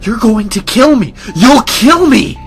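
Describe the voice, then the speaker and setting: An ordinary guy played by a male actor as a panicky hospital patient in a horror audio drama. His pitch jumps around a lot as casual talk tips toward frantic yelling, over faint music. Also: animated, a little slow, heavily acted. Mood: panicked.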